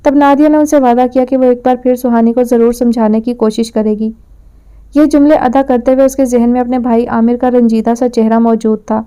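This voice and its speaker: A woman narrates an audio novel in a steady, measured way. Her voice is smooth and clear, mellow in tone and pitched a little high.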